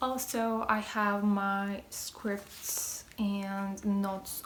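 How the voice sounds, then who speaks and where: There is audible room echo as a woman talks. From Turkey. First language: Turkish. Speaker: language learning vlogger. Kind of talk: casual talking-head vlog. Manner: casual with fillers.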